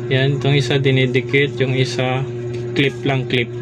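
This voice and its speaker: A man's voice: mid-range voice, monotone, moderate pace. A man with a Filipino accent chatting casually through an unboxing as a vlogger, in short informal phrases. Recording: loud vehicle and background noise.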